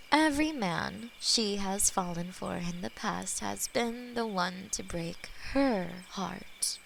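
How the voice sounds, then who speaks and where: A possessive female demon, centuries old, in an audio drama. She speaks at an unhurried, drawn-out pace, soft and intimate, with a clinging, possessive edge. A faint hiss sits under the voice. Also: medium pitch, gravelly, rough recording. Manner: slow, intimate, possessive, softly spoken. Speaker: voice actor in audio roleplay. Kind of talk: scripted audio roleplay.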